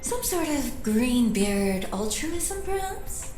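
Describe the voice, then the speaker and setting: An actress playing a clinical, condescending scientist with erudite, darkly amused delivery in an audio drama. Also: female voice, a little high, very animated, takes it slowly, dark tone, soft background music. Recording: roomy echo, faint noise.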